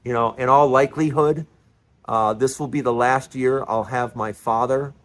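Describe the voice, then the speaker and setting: A man's voice: medium pitch, steady tone, normal speed, fairly bright tone. A man in his early sixties giving an emphatic, passionate monologue, often repeating and restarting words. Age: 60s. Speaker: commentary host.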